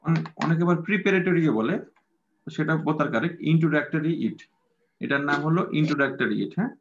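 A man's voice: a little high, fast, slight background noise. A man teaching an English grammar class, patient and repetitive, with many fillers. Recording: dull lo-fi sound.

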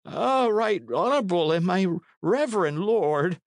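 Storybook role: cringing old male peasant, played by a man, high, wavering pitch, servile, pleading. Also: expressive, unhurried, dry recording, studio quality.

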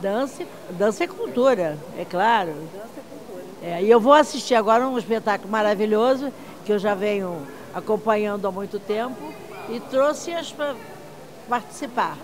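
A woman's voice: mid-range voice, lively intonation, moderate pace. An older woman with a Carioca accent speaks with firm, proud emphasis, her voice in an ordinary middle register. She talks into a reporter's handheld mic on a city street at night. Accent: Carioca Portuguese. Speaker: theatergoer.

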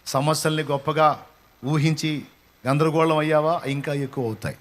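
A male pastor preaching a sermon with impassioned, repetitive exhortation that swells into loud declarations. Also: a little high, steady tone, normal speed.

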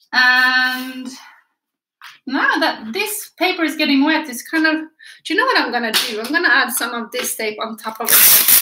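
Swedish lady art teacher, high voice, chatty and encouraging, echoey little room. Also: bright, forceful tone, slight background noise. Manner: chatty, encouraging, talks to viewers while painting. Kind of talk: live paint-along lesson. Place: small indoor room by an easel. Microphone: camera a few feet away, turns away at times.

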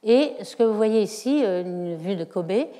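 A woman's voice: mid-range voice, lively intonation, unhurried, dark tone. A woman giving a university lecture, explaining step by step with frequent hesitations. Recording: lecture hall reverb.

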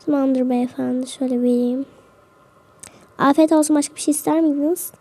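A woman doing a polite, high-voiced flight attendant. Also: steady tone, brisk, mellow. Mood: courteous. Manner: courteous, formal service phrases. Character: polite female flight attendant serving snacks.

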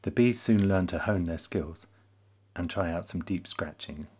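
A man narrating a short nature documentary in a calm, measured, explanatory voice-over. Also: deep voice, slightly rough. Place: voice-over, not recorded in the pictured hive.

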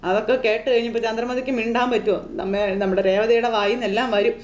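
A woman storyteller retelling a TV serial episode in a lively, conversational way. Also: fairly high pitch, very fast. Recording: roomy echo.

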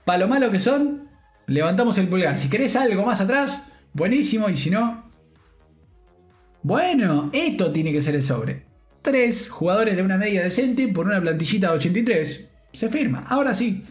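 A young man with a Rioplatense Spanish accent, commenting on game pack openings in an animated, slangy, joking way. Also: high-pitched, normal speed, roomy sound, faint music behind. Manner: animated, slangy, jokey, shouts with joy. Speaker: gaming streamer.

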